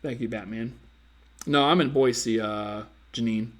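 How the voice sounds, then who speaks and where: A man's voice: mid-range voice, a little slow. A man hosting a dating-advice live stream, casually reading viewer comments and teasing them in a playful, slangy way.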